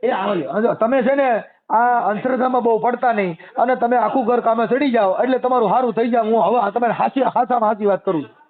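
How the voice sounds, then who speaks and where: Male phone counsellor, Kathiyawadi accent: high, fast, reassuring and insistent, on a narrowband call recording. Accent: Kathiyawadi Gujarati. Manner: reassuring, advising, talks over caller. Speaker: spiritual helper taking calls for his YouTube channel.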